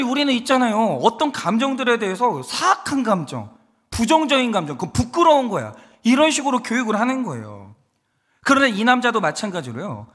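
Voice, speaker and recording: A man in his thirties preaching in an animated, storytelling way, his husky voice sitting high and swinging widely in pitch. The sound carries a long reverb from the church hall around him. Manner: animated storytelling with acted quotes. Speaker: pastor. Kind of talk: sermon. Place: church sanctuary.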